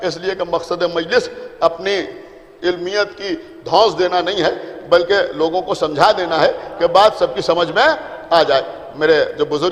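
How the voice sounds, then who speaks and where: Male preacher, Lucknow Urdu accent, high-pitched, explanatory sermon, repetitive emphasis, echoing imambara hall. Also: a bit bright. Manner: explanatory, checks in with the audience, repeats points for emphasis. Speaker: Shia preacher addressing a majlis. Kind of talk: Urdu sermon to a seated congregation. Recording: reverberant hall.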